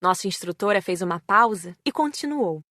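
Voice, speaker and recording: A woman's voice: medium pitch, expressive, normal speed, a bit bright, no room sound, studio quality. A woman reading scripted audiobook narration as the narrator.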